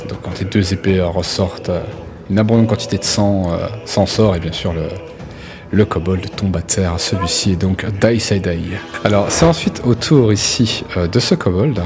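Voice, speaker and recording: Low-voiced man running a tabletop game. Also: normal speed, music in the background. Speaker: game master. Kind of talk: improvised narration of a tabletop role-playing game.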